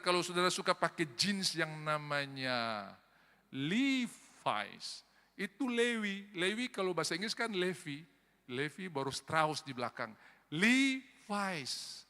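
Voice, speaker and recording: A man preaching a sermon, his voice high and very bright. He swings from loud exhortation to quiet asides, and a long church-hall reverb trails every phrase. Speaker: pastor.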